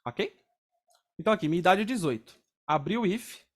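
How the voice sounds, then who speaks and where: A man's voice: sits high, expressive, fairly quick. A young Brazilian man with a Brazilian Portuguese accent teaching a live coding class, walking through each step casually and checking in with his students. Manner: casual, explains step by step, frequent "tá?" and "ó". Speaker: programming instructor.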